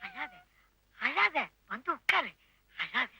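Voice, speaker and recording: An older actress playing a kindly grandmother who soothes a crying girl and gently reproaches a young man in a 1980s film. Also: very high-pitched, huge pitch swings, takes it slowly, slight background noise, heavily acted. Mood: soothing. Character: kindly old grandmother soothing and defending a child.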